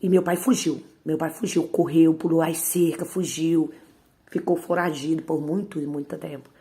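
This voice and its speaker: A woman, a missionary singer, gives an emotional testimony to a church congregation. She moves between hushed, trembling storytelling and loud, pleading outbursts, repeating phrases and leaning on tag questions. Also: on the low side.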